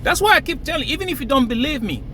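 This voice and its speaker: A man's voice: very high voice, animated, racing, bright, forceful tone, slight background noise. A man from Cameroon, raised in Nigeria, talking emphatically to camera and laughing between phrases. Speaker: crypto vlogger. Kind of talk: casual hype monologue to camera.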